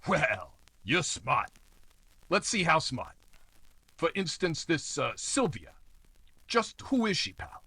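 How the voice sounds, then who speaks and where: A man's voice: a little high, wildly swooping pitch, slow, pauses often, sharp tone, husky, no room sound, full character voice. An actor playing a nosy, slimy apartment house manager who wheedles in tough-guy slang, in old-time radio noir style. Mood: scheming.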